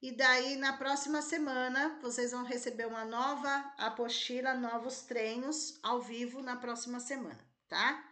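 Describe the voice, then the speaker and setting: A woman's voice: a little high, steady tone, normal speed, hardly any pauses, bright, forceful tone. Brazilian woman teacher talking through test questions. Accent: Brazilian Portuguese. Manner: thinks aloud, rechecks answers, tags lines with "né?" and "tá?". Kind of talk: exam-prep lesson, reading and solving test questions.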